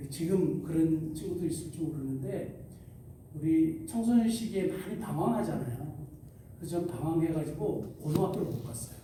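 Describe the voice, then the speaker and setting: At a moderate pace and a fairly high pitch, a man speaks amid noticeable background noise and audible room echo. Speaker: pastor. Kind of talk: sermon.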